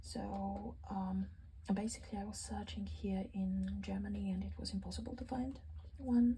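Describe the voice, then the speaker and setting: Someone with a Polish accent speaks against noticeable background noise. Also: moderate pace. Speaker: craft vlogger. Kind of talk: casual chat. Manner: halting.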